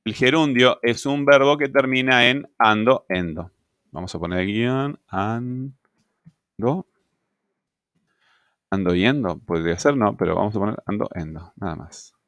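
A man's voice: on the low side, expressive, normal speed, fairly bright tone, no room sound, clean studio sound. A man teaching a grammar lesson, patient, often checking with rhetorical questions. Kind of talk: grammar lesson explaining on screen.

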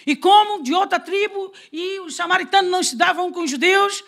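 A Brazilian woman preaching a lively sermon, telling stories and acting out the dialogue with frequent laughter. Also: extremely high pitch, brisk, gravelly. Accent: Brazilian Portuguese. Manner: animated, acts out quoted dialogue, laughs often.

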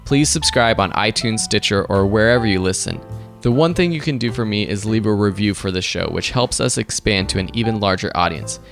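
A man's voice: lowish voice, a little fast, fairly bright tone, soft background music. A man hosting a podcast, giving a polished scripted intro and then asking interview questions in an upbeat way. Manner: upbeat, polished announcer delivery. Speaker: podcast host.

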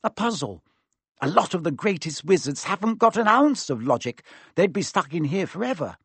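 A man's voice: high voice, big pitch swings, normal speed, a bit bright, husky, no echo, voice pushed up, exaggerated voice. A man voicing a clever, bookish young girl with an earnest, precise and emphatic way of talking, as in a storybook. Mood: brisk, confident.

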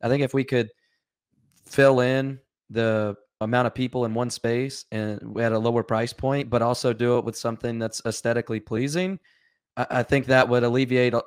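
Male guest, a little raspy from a cold, steady and even, dry close mic. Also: mid-range voice, dry recording. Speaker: podcast guest. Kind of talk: casual interview.

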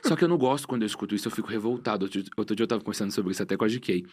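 A man's voice: on the low side, husky. A young man with a Brazilian Portuguese accent, chatting as a guest and telling stories, acting out what people said. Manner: fast animated storyteller, acts out quotes. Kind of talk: casual chat.

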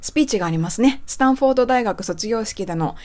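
A woman who coaches English pronunciation, hosting a casual spoken lesson and reading out a listener's email, chatty, with many fillers and soft rephrasings. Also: on the high side, expressive, fast talker.

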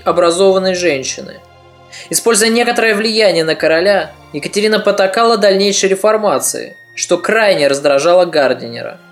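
A podcast narrator reading a scripted history story in a steady, even manner. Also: medium pitch.

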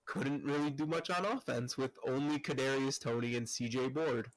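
A man's voice: medium pitch, normal speed, dry recording. A man chatting casually about sports, blunt and loose, with the odd swear word. His mic peaks constantly, so every word has a fuzzy, clipped distortion. The sound is dry and close, with no room around it. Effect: fuzzy clipping distortion from a peaking mic. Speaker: podcast co-host.

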